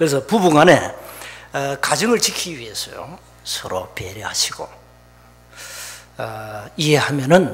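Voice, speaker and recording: Speaking fairly slowly with a strong Gyeongsang accent, a man's voice swings very widely in pitch amid noticeable background noise and audible room echo. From Gyeongsang Province, South Korea. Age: 60s. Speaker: pastor. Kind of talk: sermon. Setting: church.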